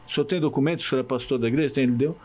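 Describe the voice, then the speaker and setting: A man, a church guest on a talk show, who tells stories in an animated, emphatic way. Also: medium pitch, rapid-fire. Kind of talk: casual talk show conversation.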